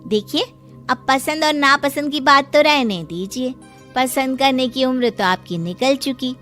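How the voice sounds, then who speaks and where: Sarcastic young cartoon sister-in-law, voiced by a woman; needling, high voice. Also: expressive, measured pace, fairly bright tone, faint music behind. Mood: mocking.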